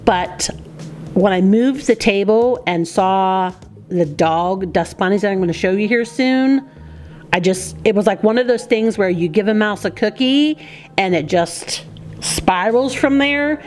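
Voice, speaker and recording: A woman's voice: medium pitch, measured pace. A woman in her fifties, a stay-at-home mom chatting casually to her viewers as friends while cleaning her home. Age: 50s. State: out of breath. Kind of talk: casual clean-with-me voice-over chat.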